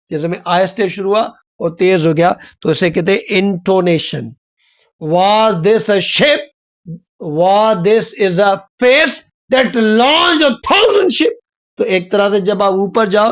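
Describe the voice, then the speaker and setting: Guy with ish explaining poetry meter, drags out example words. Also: sits high. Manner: drawn-out stressed example words. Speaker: literature teacher. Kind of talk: explanatory lesson.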